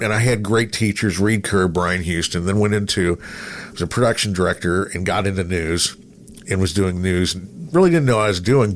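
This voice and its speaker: A middle-aged man with a lowish voice hosts a casual interview. He rambles through anecdotes like an animated storyteller. There is noticeable noise behind him. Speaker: podcast host, veteran radio broadcaster. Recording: clear background noise.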